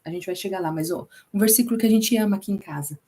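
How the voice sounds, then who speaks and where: A woman's voice: medium pitch, rapid-fire, mellow. Chatty Brazilian woman teaching Bible. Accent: Brazilian Portuguese. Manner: chatty, repeats herself, many fillers. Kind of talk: informal Bible class.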